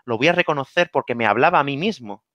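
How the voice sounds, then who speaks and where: Bright-voiced Spanish man giving tips. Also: medium pitch, quick pace, no echo, dull audio. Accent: Spanish from Spain. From Spain. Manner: animated, repeats phrases for emphasis, frequent "¿vale?". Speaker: guest giving language-learning tips. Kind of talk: casual online interview.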